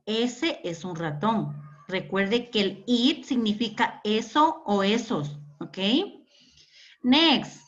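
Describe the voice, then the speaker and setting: A woman English teacher giving a classroom lesson, patient, repeating words and quizzing her pupils. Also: mid-range voice. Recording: dull lo-fi recording.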